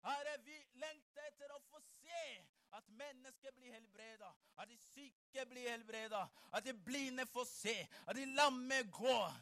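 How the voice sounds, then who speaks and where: A man preaching and leading prayer with impassioned, repetitive, often shouted calls. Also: very high voice, few pauses. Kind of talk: fervent sermon and congregational prayer.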